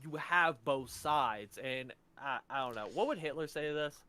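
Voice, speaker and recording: A man's voice: fairly high pitch, normal speed, bright, forceful tone, clean tone, no echo. Laid-back young guy in casual chat. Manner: laid-back, profane, joking. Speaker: podcast co-host. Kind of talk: casual chat, reading quiz statements aloud.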